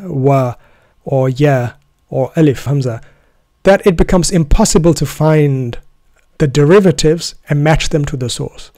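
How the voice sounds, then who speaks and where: A man whose first language is Urdu gives an earnest, deliberate solo talk about his method of study, often restarting phrases to stress a point. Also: a little high, warm tone, dry recording, clean studio sound. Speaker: Quran student presenting his method.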